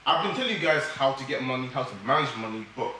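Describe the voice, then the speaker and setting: A man's voice: medium pitch, animated, fast, sharp tone, slight background noise. A young man hosting a channel in casual chat, upbeat and prompting his guest with questions. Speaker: host, YouTuber. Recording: echoey room.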